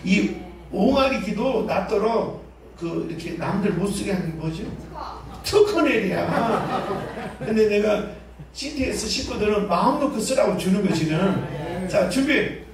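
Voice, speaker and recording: A man pastor leads a revival seminar with a fairly high voice, shouting cries of prayer and joking between them. He sounds far from the microphone. A heavy echo fills the large hall around him. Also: lively intonation, a little slow. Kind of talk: revival sermon with call-and-response.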